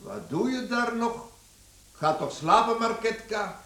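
An actor playing a harsh, irascible older father in a radio drama, gruff and commanding. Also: high-pitched, lively intonation, takes it slowly, a bit bright, heavily acted. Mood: weary.

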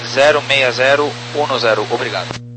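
A man's voice: mid-range voice, moderate pace, rough recording. Brazilian pilot guy on the radio, mid voice, short procedural readbacks, music under it. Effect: aviation radio. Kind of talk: aviation radio communication.

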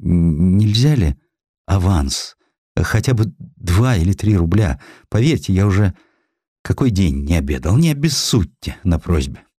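A broken old man of letters, acted by a male audiobook narrator, timid and ingratiating. He stammers as he pleads, his pitch wobbling widely, recorded dry and close. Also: big pitch swings, measured pace, mellow, slightly rough, no room sound, full character voice. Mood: timid pleading.

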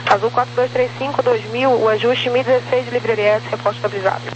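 An air traffic controller with a Brazilian accent gives clipped, procedural clearances over the radio. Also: medium pitch, fairly even intonation, fast, lo-fi sound. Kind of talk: radio callout of aviation clearances. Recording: noisy humming air-band radio transmission.

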